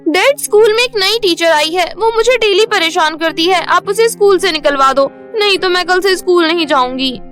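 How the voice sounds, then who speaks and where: A woman's voice: moderate pace, few pauses, a bit bright, faint music behind. A woman voicing a spoiled, rude schoolgirl who talks back in a sassy, taunting way. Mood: whiny. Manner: sassy, high-pitched taunting.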